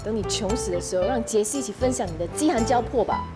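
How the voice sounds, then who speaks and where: A woman's voice: a little high, animated, fast, close to an everyday voice. An actress playing a sarcastic, materialistic young woman teasing a friend in a TV drama. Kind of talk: TV drama acting. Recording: dialogue under loud music.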